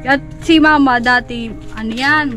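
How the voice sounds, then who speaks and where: A 19-year-old woman answering interview questions politely, halting and searching for words. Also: sits high, over music. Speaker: interviewee, working daughter.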